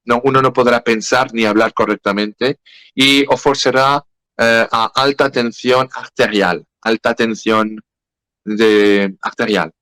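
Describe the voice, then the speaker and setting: French-accented man, halting speech. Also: mid-range voice, fairly even intonation, bright, forceful tone, dry recording. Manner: halting, searching for words. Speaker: guest. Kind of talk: podcast interview.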